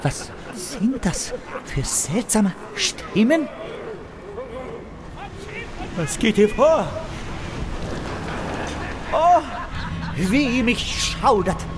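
A man's voice: very high-pitched, sing-song, very slow, pauses often, a crowd in the background, noisy background, pitched above the performer's own voice, exaggerated voice. A man voicing a superstitious, frightened ship's helmsman with a dramatic, alarmed delivery in an audio play. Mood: terrified.

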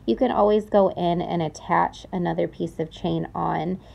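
A woman's voice: fairly low pitch, fairly even intonation, moderate pace, vocal fry, darkish tone, breathy edge. A young woman presenting a craft tutorial, explaining each step carefully and repeating key words for emphasis. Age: young adult. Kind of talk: step-by-step instructional demonstration.

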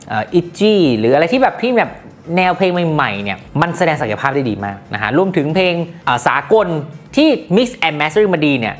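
A woman with a low voice talks through a gadget review in a chatty, playful way. Her pitch swings widely as she goes, and she drops teasing asides to her viewers. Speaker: tech product reviewer. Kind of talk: casual product review.

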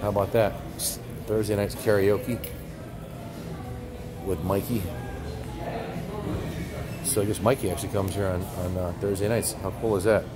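A man's voice: lowish voice, steady tone, moderate pace, pauses often, loud music behind the voice. An older man casually narrating a walking tour of a restaurant, chatting as he points things out, filmed on a handheld phone. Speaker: vlogger touring a venue. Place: restaurant and bar, indoors.

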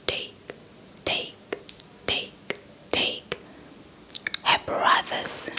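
A young woman telling a story in a breathy ASMR whisper close to the mic, deliberate and softly repeating words. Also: rough recording. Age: young adult. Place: indoors in front of a dark cloth backdrop. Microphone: handheld small mic with fluffy windscreen, held close.

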